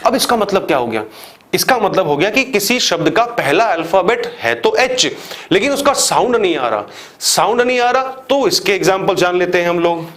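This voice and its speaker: Guy with an indian accent doing an exam grammar class, high voice, asks questions then answers them. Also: big pitch swings, normal speed, a bit bright. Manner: explains step by step, repeats examples, asks and answers himself. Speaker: English teacher for exam prep. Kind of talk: classroom lecture.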